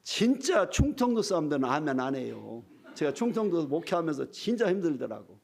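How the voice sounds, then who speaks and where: An older male preacher delivers a revival sermon in a church, his high voice swooping up and down with lively energy. He talks straight to the congregation, spinning funny stories. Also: brisk, vocal fry. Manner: humorous storytelling, addresses the congregation directly. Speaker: retired pastor, guest revival preacher. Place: church sanctuary.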